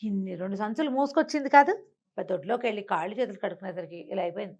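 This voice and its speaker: A woman's voice: mid-range voice, very fast, a little mellow. A woman storyteller telling a moral tale conversationally, repeating phrases and asking rhetorical questions.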